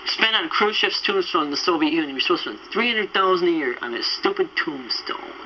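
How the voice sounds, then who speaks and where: A man's voice: fairly high pitch, animated, brisk. A sixteen-year-old boy playing amateur radio host with goofy homemade show patter on an old cassette recorder. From Minnesota, United States. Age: 16, teenager. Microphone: portable cassette tape recorder. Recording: noisy lo-fi home cassette recording.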